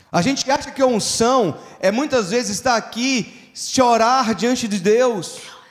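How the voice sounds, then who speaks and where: A man speaks at an extremely high pitch and a fairly slow pace. His pitch varies in an ordinary way, with noticeable background noise. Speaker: pastor. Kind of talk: sermon. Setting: church.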